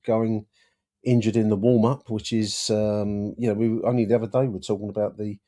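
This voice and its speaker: Man, warm mellow voice, casual football chat, hesitant, wry, repeats himself. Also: on the low side, level tone, fairly quick. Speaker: football podcast host.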